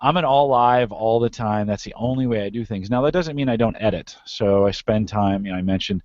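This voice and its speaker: A man's voice: on the low side, fairly quick, darkish tone, no room sound. A man who podcasts, talking conversationally as an interview guest and explaining things with repeated phrases for emphasis. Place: live video call. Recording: dull lo-fi online call audio.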